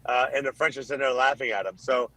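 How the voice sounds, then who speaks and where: A man from Colombia, a political candidate answering interview questions in emphatic, rapid-fire lists of points. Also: mid-range voice, steady tone, pushed and bright. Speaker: Senate candidate, guest.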